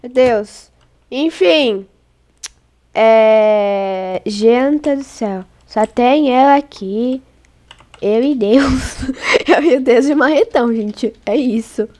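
A woman hosting a gaming channel, congested with a cold, chatting excitably to her viewers and squealing when startled. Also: fairly high pitch, drawn-out words. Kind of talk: casual gameplay commentary.

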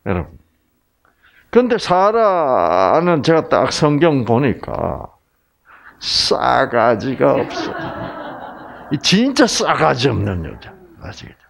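Male Bible lecturer, high and animated, slow, teasing, quizzes the audience. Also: vocal fry.

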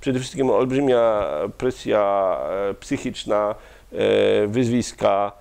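A man in his fifties, a guest in a studio interview, talking haltingly with many pauses and restarts, speaking into a lapel mic. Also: fairly low pitch, steady tone, vocal fry, darkish tone, clean tone. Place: small studio with curtain backdrop.

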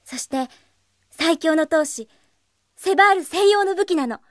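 Woman acting a high-voiced feisty young shop girl. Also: unhurried, fairly bright tone, no room sound, clean studio sound. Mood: wistful, determined. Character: feisty young girl running her late father's shop. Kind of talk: Japanese anime-style audio drama acting.

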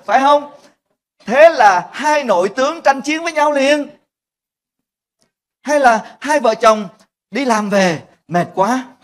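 An older man, a pastor, preaching a lively sermon and acting out family squabbles in voices. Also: very high-pitched, slow pace, pauses often.

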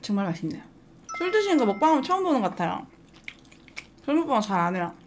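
A woman's voice: on the high side, big pitch swings, fast talker, slight background noise. A young adult woman hosting an eating show, chatting frankly and telling stories between bites. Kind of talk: casual eating-show chat. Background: faint background music.

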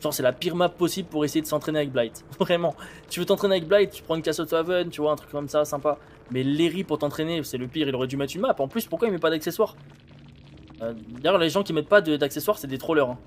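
A man's voice: a little high, quick pace, slight background noise. A man in his thirties thinking aloud in blunt, informal live gameplay commentary as a streamer. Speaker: game streamer. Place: indoor streaming setup.

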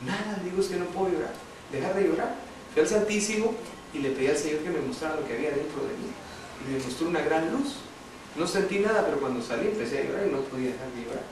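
A middle-aged man preaches in a fairly high voice, chatting with his congregation and pausing for their replies. He sounds distant from the mic in a very echoey church hall, with a clear hum of background noise. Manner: conversational, asks the congregation questions, tells a story with laughs. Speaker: lay preacher.

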